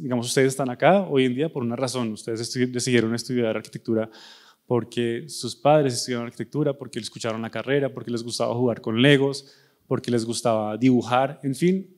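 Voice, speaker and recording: A man's voice: medium pitch, fairly quick, darkish tone. A young man from Bogotá with a Bogotá Colombian accent, an architect giving a conversational university talk on stage with a handheld microphone, addressing students directly. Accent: Bogotá Colombian Spanish. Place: large dark auditorium stage.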